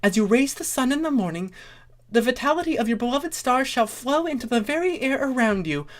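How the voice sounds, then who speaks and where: Reader voicing a high, sugary female pony schemer. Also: very animated, fairly quick. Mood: coaxing, sultry.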